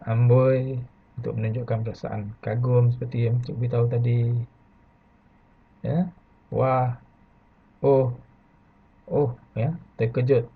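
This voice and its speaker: A Malaysian man teaching an online lesson to primary pupils, patient and slow, adding "ya" after nearly every phrase. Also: medium pitch, little pitch movement, breathy edge. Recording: phone-like lo-fi audio.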